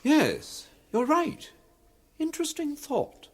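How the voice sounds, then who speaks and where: A man playing an affable gentleman jewel valuer in a British radio comedy, polite and businesslike. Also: extremely high pitch, wildly swooping pitch, takes it slowly, heavily acted. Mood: agreeable.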